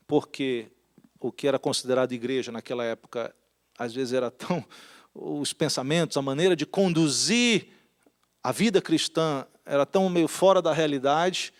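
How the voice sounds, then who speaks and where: A man preaches in a church hall, his voice sitting a little high for a man. He talks to the congregation in a plain conversational way and puts questions to them as he goes. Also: moderate pace. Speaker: pastor. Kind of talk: sermon.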